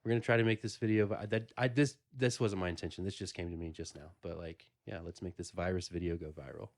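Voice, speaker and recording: A man's voice: deep voice, steady tone, fast. Rambling jokey male podcast host. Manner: rambling, jokey, many restarts. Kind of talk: casual chat.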